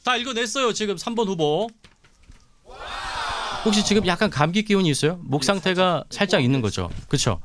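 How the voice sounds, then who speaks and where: A man hosting a live show, reading viewer comments and running a pronunciation game in a chatty, animated way. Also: a little high, slight background noise. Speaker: show host. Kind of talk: lively live-stream hosting.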